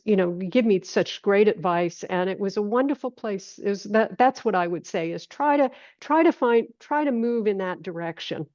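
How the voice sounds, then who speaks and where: This podcast guest is a woman in her 70s who teaches holistic health and comes from an island off coastal Maine. Her medium, darkish voice, recorded without echo and with highs cut off, answers in a conversational style, repeating phrases to stress them.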